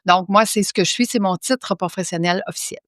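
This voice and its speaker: A woman's voice: mid-range voice, brisk, a bit bright, no room sound, clean studio sound. A woman in her fifties from Quebec with a Québécois accent, a financial coach explaining her work in a friendly, casual interview with many fillers. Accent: Québécois French.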